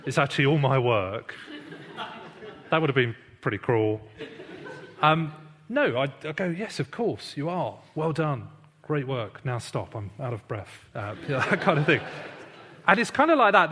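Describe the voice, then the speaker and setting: A man's voice: mid-range voice, a bit bright. A man giving a conversational church teaching talk, self-deprecating and full of fillers. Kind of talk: sermon-style teaching talk. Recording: long hall reverb.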